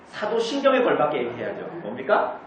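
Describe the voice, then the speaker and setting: Teaching the catechism to a church group, a pastor asks questions of the congregation and answers them on his own. His slightly high voice swoops wildly and moves a little fast, captured in a church meeting room as a distant, echoey, dull recording with slight background noise.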